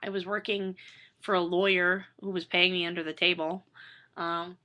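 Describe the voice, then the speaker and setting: A hoarse woman in her thirties chatting casually and rambling with self-deprecating asides. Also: fairly low pitch, flat delivery, normal speed, pushed and bright, lo-fi sound. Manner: self-deprecating, chatty, lots of fillers and restarts. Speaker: author reading her book.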